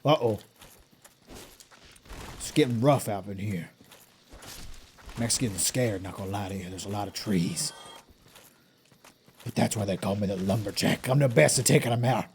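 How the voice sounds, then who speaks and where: A man voicing a boastful, gruff lumberjack who brags about beating trees. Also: fairly low pitch, moderate pace, long pauses, a little mellow, a little hiss or hum, voice pushed down, natural voice. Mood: cocky. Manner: swaggering self-praise, sing-song bragging.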